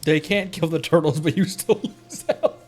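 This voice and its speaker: A man's voice: fairly high pitch, normal speed, darkish tone, husky. A man giving casual gaming commentary as he hosts a livestream, chatting to his viewers. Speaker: livestream host playing a video game. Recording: game music behind. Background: video game music.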